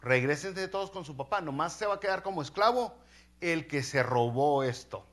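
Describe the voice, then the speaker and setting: Un predicador haciendo de un gobernante mexicano severo. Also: male voice, on the high side, lively intonation, moderate pace, fairly bright tone. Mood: stern. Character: powerful man testing his brothers, stern.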